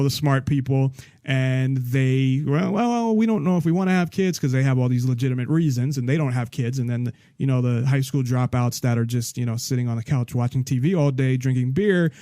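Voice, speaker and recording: A man's voice: mid-range voice, brisk, warm tone, no room sound, studio quality. A man hosting a casual interview, talking in a rambling way with frequent restarts and small laughs. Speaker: host.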